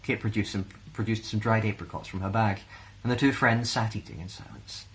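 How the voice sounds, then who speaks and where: Male storyteller, Scottish, low voice, gentle and expressive reading of children's fantasy. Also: brisk, low-quality recording. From Scotland.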